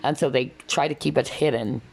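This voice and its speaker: Low-voiced, hoarse woman reading tarot cards. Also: steady tone, brisk, darkish tone. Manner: rambling, repeats "that's what I'm hearing". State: losing her voice, hoarse. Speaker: tarot card reader. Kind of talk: casual pick-a-card tarot reading.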